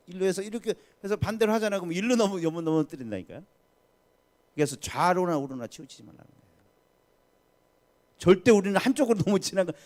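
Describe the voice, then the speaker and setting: A male pastor preaching to his congregation at a midweek prayer service. He is emphatic and keeps putting questions to the people in front of him. His voice leaps up and drops down in a lively, animated way. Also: a little high.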